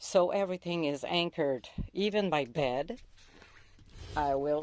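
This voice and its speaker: A woman with a French Canadian accent, at a fairly slow pace. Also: fairly low pitch for a woman, ordinary pitch variation. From Quebec, Montreal. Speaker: van conversion DIY vlogger. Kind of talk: casual vlog tutorial. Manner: halting, searching for words.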